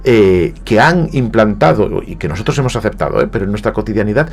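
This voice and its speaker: This low, gravelly, animated voice moves at a quick pace. It belongs to a guest writer from Galicia, Spain, who has a Spanish accent and speaks reflectively in a radio studio, often hesitating and repeating words.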